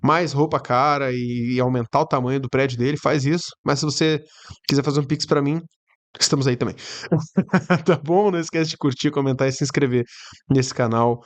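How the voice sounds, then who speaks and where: A man's voice: mid-range voice, normal speed. A man hosting a reaction video, commenting casually and sarcastically on a sermon. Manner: sarcastic, chatty asides. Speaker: YouTube reaction host.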